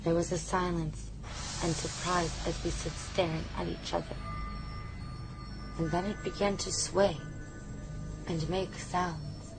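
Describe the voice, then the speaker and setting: Over loud music, a woman voices a young Native American girl narrating her journal in an audio drama. She speaks very slowly and rather low, with earnest, hushed wonder and a sense of suspense. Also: little pitch movement, creaky, rough recording. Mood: wondering, uneasy.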